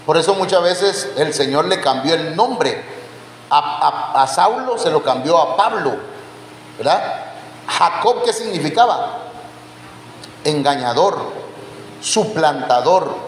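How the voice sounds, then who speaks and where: Male preacher, slow unhurried delivery with a raised pitch, quizzes the flock, roomy hall reverb with a faint background hiss. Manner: quizzes the congregation with questions; addresses listeners as brothers. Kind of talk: Bible teaching sermon. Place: church hall. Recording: echoey church hall, faint background noise.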